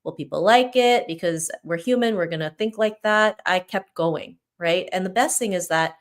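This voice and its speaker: A woman's voice: on the low side, moderate pace. A woman from Toronto, born in the Philippines and not a native English speaker, talking casually and motivationally as an author guest on a podcast. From Toronto, Canada, born in the Philippines. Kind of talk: casual interview talk, motivational.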